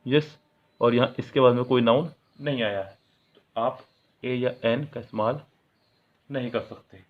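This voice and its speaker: A man's voice: medium pitch, fairly even intonation, a little slow. Man teaching grammar over a tinny line. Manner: asks the viewer questions and answers them himself; explains English in Hindi, reading example sentences aloud. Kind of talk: classroom-style video lesson. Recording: tinny, phone-like sound.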